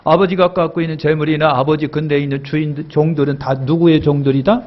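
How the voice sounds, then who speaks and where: A man's voice: on the high side, steady tone, fast talker, muffled recording. A male pastor preaching a sermon emphatically, repeating key phrases and asking the congregation questions.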